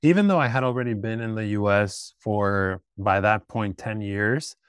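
A man in his thirties from Peru, a guest telling his story in a casual interview, relaxed and rambling with restarts. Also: fairly low pitch, moderate pace, clear, resonant tone, no room sound, studio quality. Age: 30s. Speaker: guest, startup founder.

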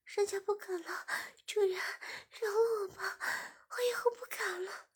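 A woman's voice: high voice, fairly even intonation, normal speed, creaky, darkish tone, pitched above the performer's own voice. A woman voicing a pouting, clingy young wife in an audio story, with a whiny, pleading manner.

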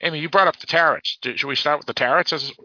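A man's voice: fairly high pitch, quick pace, dry recording, muffled recording. Bostonian man hosting a casual chat. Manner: rambling, hesitant with fillers and restarts. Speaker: podcast host. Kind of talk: casual movie discussion.

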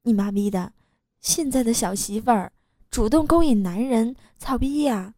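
A woman's voice: on the high side, normal speed, warm tone, no echo, studio quality, natural voice. Woman reading as a brash, coarse-talking factory woman. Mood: teasing. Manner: coarse, teasing. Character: bold foul-mouthed woman factory worker.

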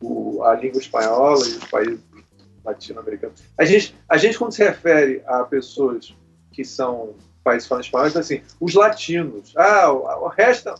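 A man in his forties with a Brazilian Portuguese accent, talking in an easy group conversation. His voice sits at a middle pitch and comes through slightly muffled, as on a modest recording. He builds his points in long, considered stretches, firm in his opinions. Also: lively intonation, gravelly, soft background music. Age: 40s. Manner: measured, opinionated, speaks in long reflective runs. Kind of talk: casual group chat.

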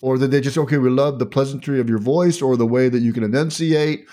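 A man's voice: medium pitch, fairly even intonation, fast talker, warm tone. Man hosting a casual, rambling interview. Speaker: interview host. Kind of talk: casual chat.

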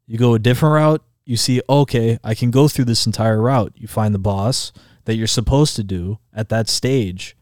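A man in his twenties co-hosting a relaxed podcast, spinning excited stories and acting out sounds with his voice. His pitch sits in the middle range, and he fills his talk with "like" and "bro." The room is dead and dry. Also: moderate pace, dry recording. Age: 20s. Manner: animated storyteller, acts out game sounds, heavy filler "like" and "bro". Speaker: podcast co-host. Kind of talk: casual chat.

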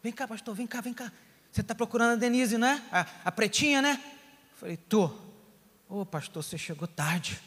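A pastor telling a story to his congregation, animated, going from loud bursts to hushed tones. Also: fairly high pitch, breathy edge. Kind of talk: sermon storytelling. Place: church. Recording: long hall reverb.

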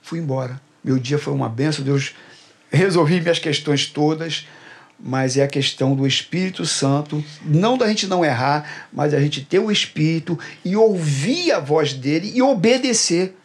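Animated middle-aged Rio man, high voice. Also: normal speed. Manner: lively storyteller who acts out dialogue. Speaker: church program host. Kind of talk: animated storytelling and Bible talk.

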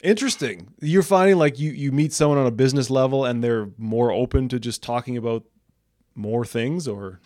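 A man hosting a podcast interview, relaxed and agreeable, thinking aloud with restarts. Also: medium pitch, normal speed. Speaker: podcast host.

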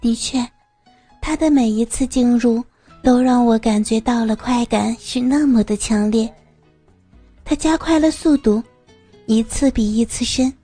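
A woman narrating a first-person adult audio story in an intimate, breathy manner. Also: fairly high pitch, a little slow, mellow, no room sound, soft background music.

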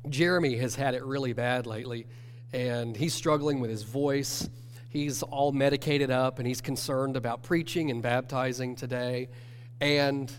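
Brief: man with a cold, nasal church teacher, earnest and measured, long reverb around him. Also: mid-range voice, a bit bright. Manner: earnest, measured, self-correcting. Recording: long hall reverb with faint hum.

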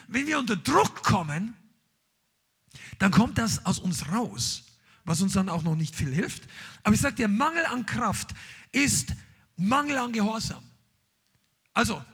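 High, lively, husky-voiced German preacher man. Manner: emphatic, mixes in English words, shouts interjections. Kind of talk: charismatic sermon. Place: church hall with congregation, streamed online.

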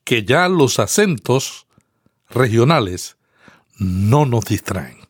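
A man's voice: medium pitch, very animated, takes it slowly, breathy edge, dry recording, studio quality. A man interviewing a guest, asking formal, carefully framed questions.

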